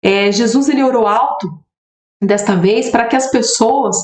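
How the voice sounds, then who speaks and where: A woman's voice: a little high, moderate pace, a little mellow. Brazilian woman teaching a Bible lesson. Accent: Brazilian Portuguese. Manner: explanatory, asks rhetorical questions, reads scripture aloud. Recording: echoey room.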